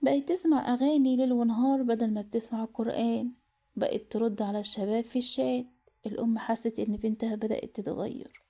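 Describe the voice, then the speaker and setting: Egyptian woman narrator, emotional, half-whispered, very dark mellow tone, fairly high pitch. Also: steady tone, fast. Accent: Egyptian Arabic. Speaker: storyteller. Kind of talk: moralizing story narration.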